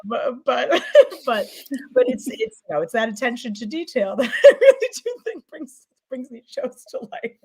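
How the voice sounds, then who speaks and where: A woman's voice: fairly high pitch, huge pitch swings, moderate pace, a little mellow, husky. A woman talking casually as a podcast producer in a discussion, effusive and emphatic, giggly and rambling as she goes.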